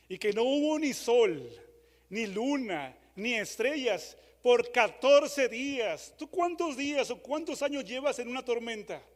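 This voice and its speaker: A man preaching a dramatic sermon, moving from loud re-enacted shouts to hushed questions. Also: high-pitched. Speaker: pastor. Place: church hall. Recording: long church hall reverb.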